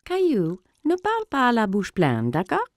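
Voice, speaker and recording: Lively, higher-voiced cartoon parent. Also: female voice, normal speed, background noise. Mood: gently scolding. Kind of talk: children's cartoon dialogue.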